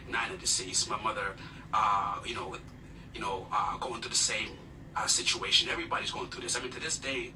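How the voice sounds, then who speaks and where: A man from Uganda, a guest telling his life story in an earnest, humble way with many fillers. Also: fairly low pitch. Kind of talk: personal storytelling interview. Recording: distant mic with noticeable noise.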